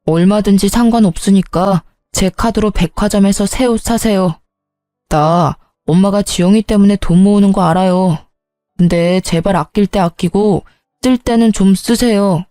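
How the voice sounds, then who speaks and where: Woman voicing an adult son, insistent and angry, mellow low tone. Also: normal speed, no room sound, soft background music, close to an everyday voice. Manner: insistent, pleading, sharpening into anger. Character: grown son, earnest then exasperated and shouting. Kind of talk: storytelling with voiced characters.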